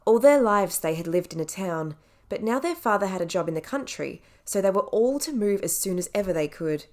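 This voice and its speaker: A woman's voice: mid-range voice, expressive, fairly quick, a little mellow. A woman reading scripted audiobook narration as a professional narrator.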